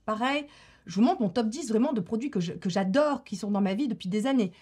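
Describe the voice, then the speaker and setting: A woman's voice: fairly high pitch, lively intonation, brisk, darkish tone, slightly rough, soft background music. A woman, chatting casually to camera about her favourite beauty products and laughing often. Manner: chatty, laughs often, repeats herself for effect. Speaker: beauty YouTuber.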